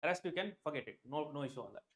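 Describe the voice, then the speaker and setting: A man's voice: a little high, lively intonation, rapid-fire, fairly bright tone. A young man with an Indian English accent, teaching an exam-prep lesson live to online viewers in a chatty, repetitive way. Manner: chatty, repeats himself, many "like" fillers, addresses viewers by name. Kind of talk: live-stream lecture.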